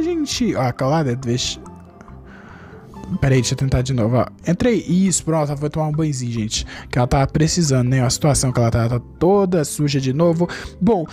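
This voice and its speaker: A Brazilian gaming YouTuber gives excitable gameplay commentary, chatting nonstop to his viewers. His pitch jumps high whenever something surprises him.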